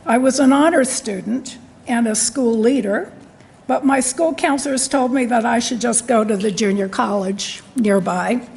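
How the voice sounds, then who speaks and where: Older woman, gravelly measured address. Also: a little high, darkish tone, poor audio. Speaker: lecturer. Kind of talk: formal award address. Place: convention hall.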